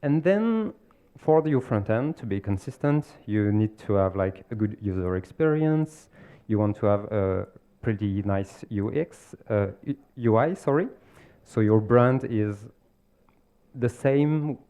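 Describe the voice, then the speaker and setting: A man with a French accent giving a technical conference talk, explaining step by step with pauses and self-corrections. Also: medium pitch, dark tone, smooth. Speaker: conference speaker. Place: conference stage.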